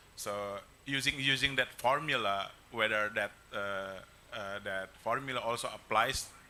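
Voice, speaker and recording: With an Indonesian accent, a man speaks at a fairly low pitch in a bright, sharp tone with ordinary pitch variation. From Indonesia, Medan (North Sumatra). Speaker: audience member asking questions. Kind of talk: seminar Q&A question. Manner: halting. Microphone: speaking without a working microphone.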